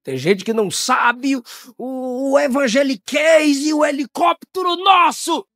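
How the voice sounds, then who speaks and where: A man from Brazil preaching a Pentecostal sermon, shouting in high bursts and then dropping to low, quiet tones. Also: slow pace, no room sound, clean studio sound.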